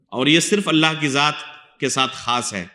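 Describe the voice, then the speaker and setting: A man's voice: mid-range voice, sharp tone. A man with an Indian Urdu accent giving a religious lecture in a mosque, teaching patiently and putting questions to his listeners before answering them himself. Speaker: Islamic scholar. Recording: echoey mosque hall.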